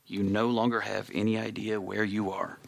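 A man's voice: lowish voice, little pitch movement, moderate pace, vocal fry, background noise. An actor playing a man who grimly recalls hospital treatment in a first-person radio play narration. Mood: grim recollection.

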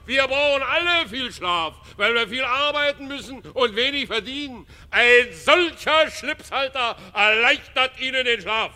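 An actor playing a brash, wisecracking street hawker, declaiming a sales patter in a radio drama. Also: male voice, extremely high pitch, lively intonation, unhurried, hardly any pauses, bright, forceful tone, full character voice. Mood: loud salesmanship. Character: brash, wisecracking Berlin street hawker selling cheap wares. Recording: long reverb, faint street traffic noise.

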